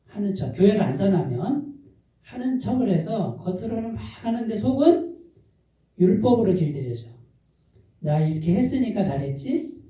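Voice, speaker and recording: A man with a high pitch and very wide pitch swings speaks at a fairly slow pace with long, frequent pauses, with audible room echo. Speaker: pastor. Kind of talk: sermon. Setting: church, Wednesday evening service. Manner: conversational, many rhetorical questions.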